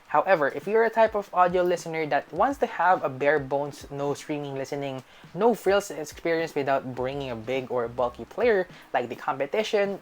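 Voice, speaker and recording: A woman's voice: sits low, darkish tone. A woman with a Filipino accent narrating a scripted tech review.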